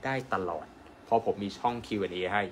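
A man, a doctor, giving an animated live-stream sales pitch and asking his viewers rhetorical questions. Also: quick pace, slight background noise. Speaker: acupuncture doctor selling an online course.

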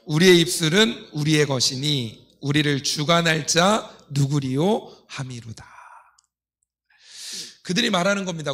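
Higher-voiced middle-aged male pastor preaching. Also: a bit bright. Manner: didactic, asking rhetorical questions and leading readings. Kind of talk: sermon, expounding scripture to a congregation. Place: church pulpit, indoors.

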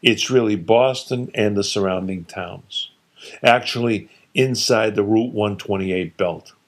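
A man doing his blustering old father. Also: fairly low pitch. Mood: proud. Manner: blustering, dismissive, rattling off rapid-fire insults. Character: opinionated older father boasting about his home state. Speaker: narrator voicing his father.

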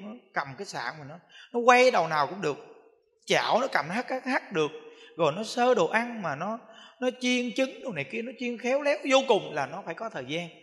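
A man speaking as a Buddhist monk giving a dharma talk with a southern Vietnamese accent, animated and repetitive, acting out everyday examples. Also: fairly high pitch. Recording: echoey hall.

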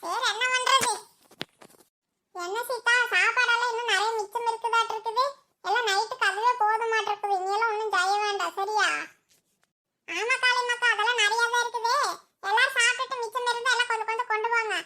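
A woman voices a caring, scolding village aunt in a cartoon, in a very high, bright and piercing voice. She fusses over everyone in a homely, chiding way. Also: fairly even intonation, fast. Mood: weary chatting. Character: older village women of a big family, caring and scolding. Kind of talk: cartoon voice acting.

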